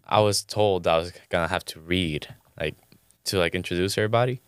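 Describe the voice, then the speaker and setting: A young man in college with a Hispanic accent, chatting casually in a halting, rambling way, full of "like" and "bro". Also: sits low, clean tone, no room sound, clean studio sound. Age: young adult. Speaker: college student guest. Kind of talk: casual chat.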